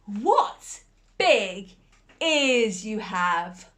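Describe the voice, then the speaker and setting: A woman voicing a small, innocent girl in a red hood in a storybook reading, in a high, sweet, wide-eyed way. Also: very animated, extremely slow, fairly bright tone, heavily acted.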